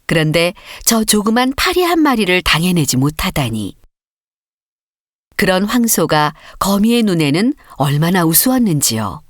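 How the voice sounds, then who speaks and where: A woman reads a scripted story for an audiobook. Her pitch moves expressively up and down through the sentences. The sound is dry, with hardly any room around her. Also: very animated, measured pace, dry recording. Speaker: audiobook narrator. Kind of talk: scripted storybook narration for learner readers.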